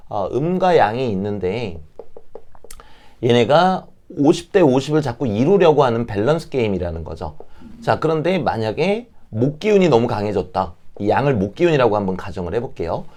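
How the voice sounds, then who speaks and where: A man with a mid-pitched voice that moves up and down in lively intonation. His throat is a little hoarse and catches as he talks. He explains things politely and step by step, like an advisor addressing viewers informally. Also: normal speed. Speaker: fortune-telling advisor, channel host. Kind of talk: informal explanatory talk to camera.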